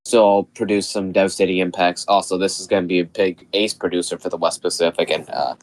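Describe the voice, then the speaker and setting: Man, low voice, raspy from a cold, steady technical explaining. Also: fairly quick, rough recording. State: raspy from being sick. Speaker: guest weather tracker. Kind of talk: live stream analysis.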